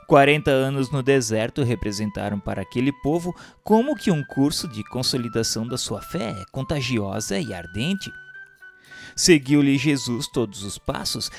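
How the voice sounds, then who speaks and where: A Brazilian man reads scripted religious narration in a solemn, declamatory way. His voice sits at an ordinary male pitch and has a gravelly creak, with music playing behind it.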